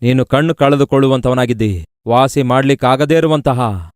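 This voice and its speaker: A man's voice: mid-range voice, normal speed, smooth, dry recording, clean studio sound, lightly acted. A male preacher voicing a doctor who bluntly gives his friend bad news.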